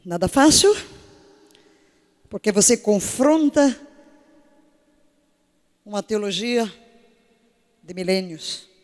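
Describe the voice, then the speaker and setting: A woman's voice: medium pitch, lively intonation, takes it slowly, pauses often, a little mellow, in a large hall. A woman preaching a sermon to her congregation in an emphatic way, full of rhetorical questions. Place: church service.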